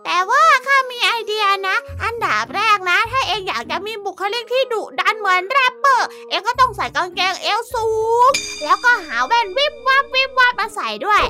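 A woman voicing an excitable young male friend who is easily baffled, in a children's radio drama. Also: very high voice, a little fast, few pauses, full character voice. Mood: helpful. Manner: exclamatory, lively rustic speech. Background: background music.

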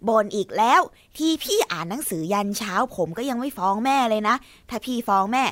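A woman's voice: on the high side, brisk, no echo. Woman voicing a gamer kid brother, bouncy and whiny, dry recording, kids' audio drama. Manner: excited, whiny. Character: excitable young boy gamer, little brother.

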